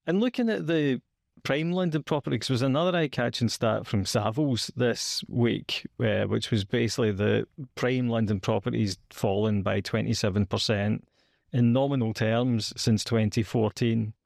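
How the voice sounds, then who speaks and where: Gravelly Scottish man interviewing. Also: mid-range voice, fairly even intonation, moderate pace, darkish tone, no echo, clean studio sound. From Scotland. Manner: hedging, questions full of fillers and restarts. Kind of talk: conversational interview.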